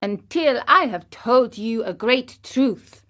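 A woman reading a storybook aloud, voicing a wise old male cricket who speaks in a calm, measured, moralizing way. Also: on the high side, heavily acted. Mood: solemn.

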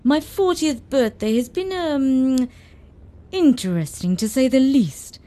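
A woman's voice: sits high, animated, slow, warm tone, pitched above the performer's own voice. A woman voicing a reassuring father in his forties who speaks in a soothing, cheerful way. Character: reassuring father turning forty.

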